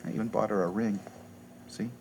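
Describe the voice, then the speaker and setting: A man's voice: lowish voice, fairly even intonation, a little fast, darkish tone, husky. An actor playing a fussy, formal young man who speaks in precise, fretful sentences about being hurt in love.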